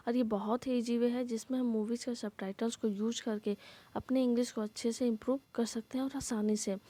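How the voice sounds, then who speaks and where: A woman teaching English, patiently explaining in Hindi and repeating each example sentence slowly and carefully. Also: on the high side, warm tone, no echo. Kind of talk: Hindi-English language lesson.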